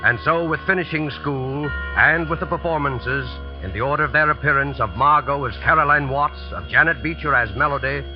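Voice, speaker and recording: A man hosting and narrating a 1940s radio suspense show in a measured, ominous way. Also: a little high. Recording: muffled 1940s radio broadcast with music.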